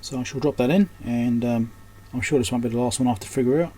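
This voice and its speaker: Speaking fast in a mid-range voice that's dark and slightly rough, a man offers unscripted commentary while repairing electronics. He's the technician and host, thinking aloud in brief muttered fragments at an indoor workbench.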